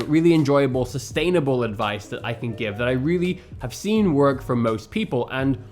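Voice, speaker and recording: A man in his thirties talks to camera at home, giving earnest, casual language-learning advice and gesturing a lot with his hands. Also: fairly high pitch. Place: bedroom at home, indoors.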